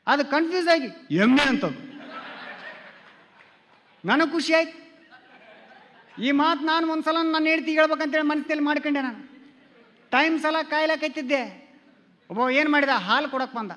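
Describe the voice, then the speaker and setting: A man's voice: extremely high pitch, normal speed, pauses often, bright, forceful tone, big-room sound. A man doing standup comedy on stage before an audience, telling stories and acting out quoted lines with his wife.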